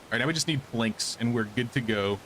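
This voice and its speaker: A man's voice: medium pitch, fairly quick, fairly bright tone, slight background noise, poor audio. A man casually commenting on his gameplay during a live stream, thinking aloud and answering chat questions.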